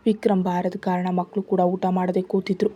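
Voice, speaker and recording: A woman reading a dramatic romance story aloud in a soft, steady narration. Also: lowish voice, moderate pace, slightly rough.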